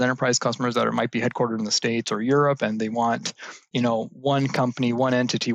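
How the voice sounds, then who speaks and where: Gravelly man telling business stories. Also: medium pitch, no room sound. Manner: animated storyteller, many fillers. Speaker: guest, IT services business leader. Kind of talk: conversational interview answers.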